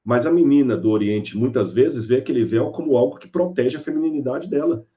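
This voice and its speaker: A man's voice: mid-range voice, brisk, dull audio. A man giving a sermon-style Bible lecture, telling stories and acting out the people in them. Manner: animated storyteller acting out characters. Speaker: preacher.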